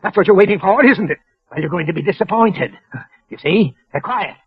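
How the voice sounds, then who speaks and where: A man's voice: high-pitched, expressive, brisk, breathy edge, heavily acted. An actor playing a guilt-crazed male office killer who hears voices, in 1940s radio acting, with a frantic, stammering, paranoid manner, on a muffled old radio broadcast. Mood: sly.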